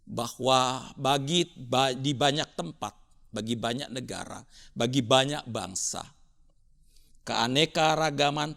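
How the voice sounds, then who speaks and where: A man's voice: on the low side, gravelly, a bit bright. A man delivering a sermon as a Christian preacher, emphatic and rhetorical, repeating phrases for dramatic effect.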